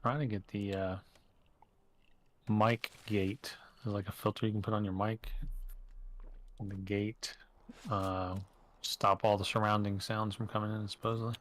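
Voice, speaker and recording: A man's voice: on the low side, little pitch movement, measured pace, long pauses, a little hiss or hum. A man chatting casually with a friend during a game stream, easygoing and a little hesitant. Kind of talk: casual gaming chat. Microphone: desk microphone.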